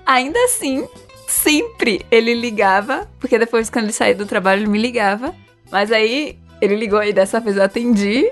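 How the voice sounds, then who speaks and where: A woman's voice: a little high, lively intonation, moderate pace, faint music behind. A woman on a casual podcast, recounting events in an easygoing, plain way. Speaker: podcast guest.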